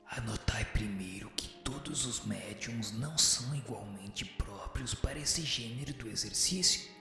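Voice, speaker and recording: An actor playing a solemn, learned spirit with a breathy voice, giving formal, measured, didactic answers in a radio drama, through cavernous reverb. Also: medium pitch. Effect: long cavernous reverb. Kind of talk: scripted radio drama reading. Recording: heavy echo and long reverb. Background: music.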